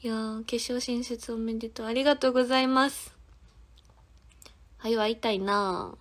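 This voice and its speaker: An idol singer in her twenties chats on a phone livestream in a Kansai accent, giggling and responding to viewers' comments individually. Her female voice is a little high, with a steady tone at normal speed.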